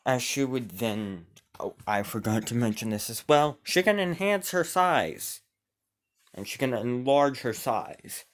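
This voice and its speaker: Male narrator, improvised fan story, slow, rambling, restarts a lot. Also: mid-range voice, expressive.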